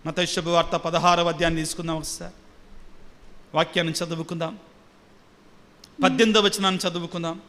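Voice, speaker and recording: A man's voice: a little high, level tone, fairly quick, pauses often, sharp tone. A man, a Catholic priest, preaching emphatically to a congregation, repeating phrases and asking them questions. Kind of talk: sermon. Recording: long hall reverb.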